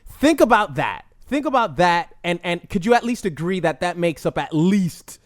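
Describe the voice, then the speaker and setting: A man hosting a podcast, arguing his point in casual, animated debate with a co-host and cutting in often. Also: sits high, moderate pace, no echo, clean studio sound. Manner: animated, argumentative, interrupts.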